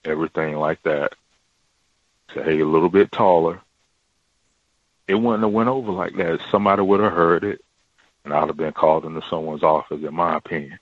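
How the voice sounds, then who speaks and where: A man calling in to describe his workplace, talking in a halting way with many fillers and restarts, in a deep voice. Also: no echo, phone-quality sound. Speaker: caller. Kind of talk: casual call-in account.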